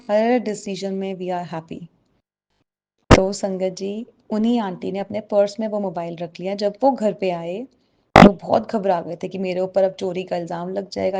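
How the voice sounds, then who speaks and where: A woman's voice: medium pitch, creaky, dark tone. A woman speaking with a tinge tells her own devotional story to a gathered congregation. She is earnest and personal, and she keeps turning to her listeners to address them directly as she goes. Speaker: devotee sharing a testimony. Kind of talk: spoken personal testimony to a congregation.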